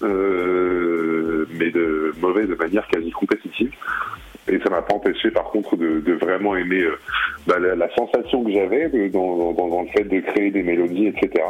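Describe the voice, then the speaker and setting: Fairly low-pitched, a man speaks at a fairly slow pace with very even loudness. Noticeable background noise sits behind him. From Egypt (Cairo), then France from age 13-14. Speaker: singer. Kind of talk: interview. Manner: halting, many fillers and repetitions.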